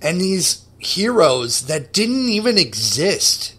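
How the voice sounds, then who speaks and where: Slow, bright-voiced excited young man. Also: high-pitched, husky. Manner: excited, profane, building enthusiasm. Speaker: podcast host. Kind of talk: casual podcast storytelling.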